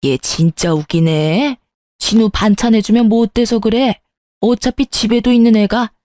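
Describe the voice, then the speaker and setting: Storybook mother-in-law, bossy and scolding, put on by a woman; low mellow tone, dry. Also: level tone, no room sound, close to an everyday voice. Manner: curt, scolding, drawn-out commands.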